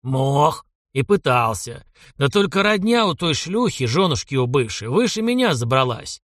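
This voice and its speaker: A man's voice: mid-range voice, sing-song, moderate pace, fairly bright tone, no room sound, studio quality. A man voicing a domineering 75-year-old count who bosses his grandson around with blunt, teasing commands. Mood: gruff bossy.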